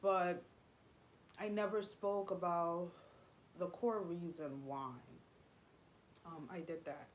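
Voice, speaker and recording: This vlogger, a young woman whose first language is Spanish, tells a personal story in a low, unhurried voice with fairly even intonation. Her confiding, rambling delivery is full of fillers and false starts, over a faint hum of room noise.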